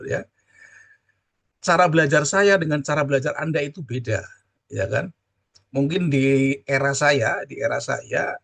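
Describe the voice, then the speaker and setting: Casting: middle-aged lecturer, husky gravelly voice, talks students through a video-call class with steady "ya?" checks. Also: male voice, mid-range voice. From Java. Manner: drawn-out explaining with constant "ya" tag questions. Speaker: university lecturer.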